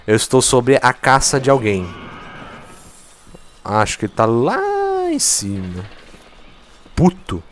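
A man's voice: mid-range voice, slow, long pauses, slight background noise. A man giving casual, profane, joking commentary while playing a video game. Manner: excitable, swears a lot, jokes at the game. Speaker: gameplay commentator. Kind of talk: casual let's play commentary. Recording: faint game music behind.

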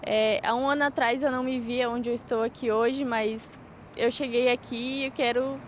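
Southern brazilian teen girl talking into a reporter mic outside, bit high voice, faint traffic behind. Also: fairly even intonation, moderate pace. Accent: Southern Brazilian Portuguese. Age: teenager, 16. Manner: earnest, slightly hesitant with fillers. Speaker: interviewee, karate athlete. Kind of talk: street interview. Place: outdoors by a street. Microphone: handheld reporter mic.

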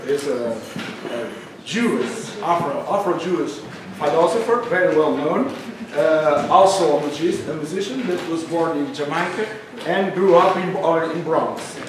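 A man in his fifties from the Azores introducing a speaker on a stage, halting often with fillers and restarts. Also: a little high. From Portugal, Azores. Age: 50s. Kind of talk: hesitant formal introduction. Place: stage of a small venue, indoors. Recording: echoey hall from a distance, noisy.

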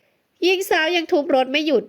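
A woman narrating a romance audiobook in an expressive storytelling manner. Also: quick pace.

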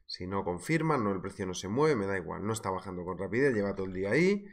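Male trading instructor with a Spain Spanish accent, low voice, casual and joking with his live audience. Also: very animated, fast talker. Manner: chatty, jokey, greets chat viewers by name. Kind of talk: live webinar, market analysis.

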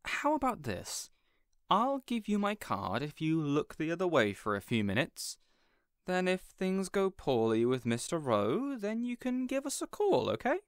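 A man's voice: a little high, wildly swooping pitch, a little slow, clean tone, no room sound, clean studio sound, heavily acted. A man playing a considerate, awkward supervillain boss in an audio roleplay, conversational and a bit hesitant. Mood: sympathetic, reasoning. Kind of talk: audio roleplay drama acting.

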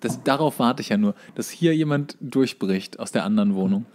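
A man's voice: medium pitch, animated, brisk, a little mellow. A man chatting as a podcast co-host in a wry, jokey, informal style. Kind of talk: casual comedic podcast chat.

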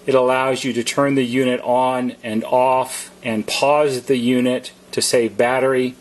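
A man's voice: mid-range voice, flat delivery, measured pace, low-quality recording. A man who works as a service technician, giving an informal, plain-spoken product demonstration and explaining step by step.

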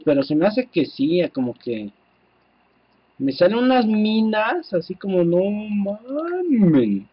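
A Mexican man commentates his game for his viewers, excitable and quick to swear. His voice is husky and sits a little high. The sound is dull and lo-fi, like a cheap home microphone. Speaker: gameplay commentator. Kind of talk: casual let's-play commentary.

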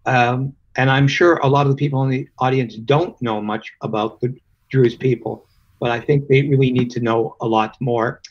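An older man moderates a panel in a husky voice, polite and measured. The sound comes through a dull, lo-fi video call. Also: medium pitch, fairly even intonation.

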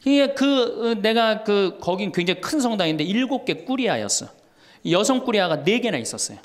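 Lively, high-voiced storytelling priest. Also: male voice, moderate pace. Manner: storytelling, acts out quoted voices, laughs along. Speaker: Catholic priest. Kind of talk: humorous lecture.

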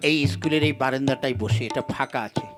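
A man's voice: medium pitch, quick pace, lightly acted. A nervous, indulgent husband acted by a man in a puppet-show comedy. He talks cautiously, explaining himself over background music. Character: nervous, indulgent husband wary of being seen. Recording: music under the dialogue.

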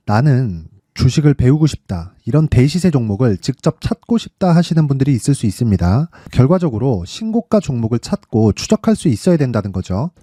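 A man's voice: medium pitch, mellow, slightly rough, no room sound. A man presenting persuasive stock market commentary in an assertive, explanatory way, posing rhetorical questions as he goes.

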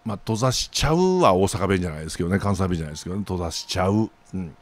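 A man with a Kansai accent talks through the morning papers as a commentator, dropping jokey asides as he goes. His voice sits a little low but leaps around lively in pitch. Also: rapid-fire, no echo. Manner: chatty, with jokey asides and laughs.

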